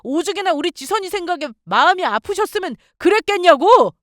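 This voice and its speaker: A woman's voice: very high-pitched, lively intonation, brisk, dry recording, studio quality. A woman voicing a selfish young husband who indignantly blames his wife, in a story read for radio. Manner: blaming, indignant shouting.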